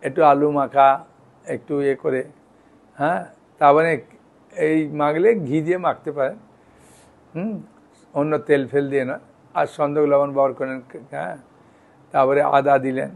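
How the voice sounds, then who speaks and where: A man giving a devotional lecture as a monk. He talks in a conversational, reassuring way and often checks in with his listeners. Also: fairly high pitch. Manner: conversational, reassuring, checks in with "hyan" and "thik ache".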